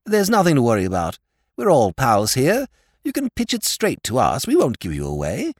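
A man's voice: mid-range voice, wildly swooping pitch, moderate pace, dry recording, studio quality, voice pushed up. A man voicing a chatty, foolish young upper-class English lord with drawling, exclamatory old-boy slang for a storybook. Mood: solemn, kindly.

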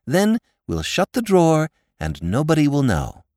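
An earnest young woman pleads and coaxes in a raised voice, as a reader puts her on. Her pitch rises and falls widely, and the recording is dry. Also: wildly swooping pitch, normal speed, a little mellow, no room sound. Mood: soothing. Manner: pleading, soothing. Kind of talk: audiobook character voice.

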